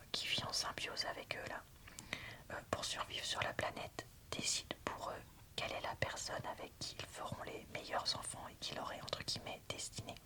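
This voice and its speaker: Whispering woman, ASMR style. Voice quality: breathy, unvoiced whisper. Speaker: book reviewer. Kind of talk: ASMR whispered book reading and review.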